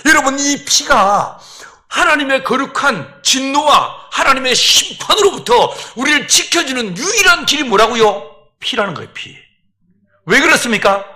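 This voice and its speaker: Lively Gyeongsang-accented male pastor. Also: very high-pitched, moderate pace. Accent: Gyeongsang Korean. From Gyeongsang region, Korea. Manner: animated storytelling, acting out dialogue. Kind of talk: sermon.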